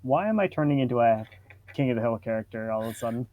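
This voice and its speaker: A man's voice: medium pitch, lively intonation, quick pace, dark tone. A man commenting in casual, comedic banter among friends.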